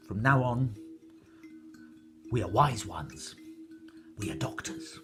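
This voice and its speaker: A man's voice: fairly low pitch, animated, takes it slowly, over music. A man voicing a clever, bossy talking cat in a firm, emphatic voice.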